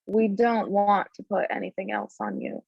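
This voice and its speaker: A woman's voice: mid-range voice, steady tone, normal speed, creaky, darkish tone, husky, no room sound, dull audio. A woman acting a protective, resolute, commanding character at a screenplay table read. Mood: firm, urgent.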